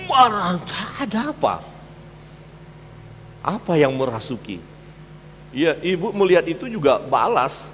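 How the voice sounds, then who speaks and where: A man preaching a sermon as pastor, swinging between loud emphatic peaks and low quiet asides. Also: in a large hall, a little hiss or hum. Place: church hall.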